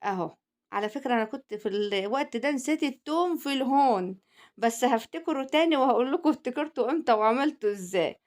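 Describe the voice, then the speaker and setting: Egyptian woman, cooking host, middle-aged, high-pitched, teasing, talks straight to viewers. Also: expressive, fast. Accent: Egyptian Arabic. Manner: chatty, teasing, addresses viewers directly. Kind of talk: cooking video narration.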